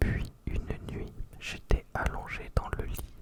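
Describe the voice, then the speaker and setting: Very slowly, a person whispers while noticeable noise fills the background. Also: man. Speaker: ASMR creator reading stories. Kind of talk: ASMR story reading, horror. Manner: whispered, soft.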